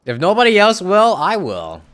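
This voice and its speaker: A man's voice: high voice, huge pitch swings, normal speed, a bit bright. A young man doing casual live commentary as a game streamer, slangy and irreverent. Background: game music.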